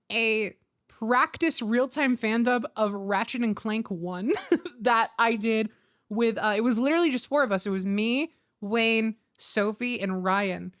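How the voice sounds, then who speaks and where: A young woman chatting casually on a livestream, excitable, giggly and given to swearing. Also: fairly high pitch. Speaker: streamer.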